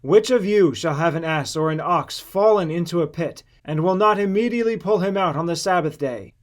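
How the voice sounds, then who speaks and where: A man acts out an authoritative holy teacher from a scripture audiobook. The voice is slightly high, and the delivery is solemn, declamatory and exhorting. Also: lively intonation, a little fast, close to an everyday voice. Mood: firm, emphatic.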